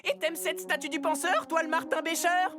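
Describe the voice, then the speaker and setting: A woman's voice: extremely high pitch, fairly even intonation, normal speed, heavy background noise. A woman in a French cartoon dub voicing a sassy, punning young superhero girl who is exclamatory and melodramatic. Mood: cocky.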